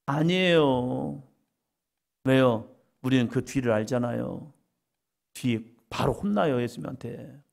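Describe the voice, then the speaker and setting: A middle-aged man preaching a sermon as pastor, acting out dialogue with sudden loud, emphatic rises. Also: medium pitch, unhurried, vocal fry, long pauses.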